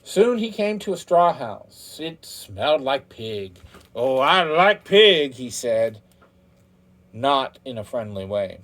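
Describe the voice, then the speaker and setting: Animated, unhurried male children's storyteller. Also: medium pitch. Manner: theatrical, with drawn-out emphasis and direct asides to listeners. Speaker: storyteller reading a children's book aloud.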